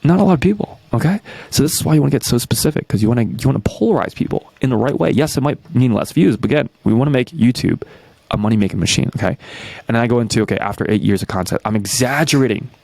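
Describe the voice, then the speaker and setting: A man in his twenties from New York, breaking down marketing tactics as a coach, energetic and full of rhetorical questions, tagging "right?" onto nearly every point. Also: medium pitch, fast talker, creaky, breathy edge, no room sound. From New York, USA. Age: 20s. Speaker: YouTube business coach.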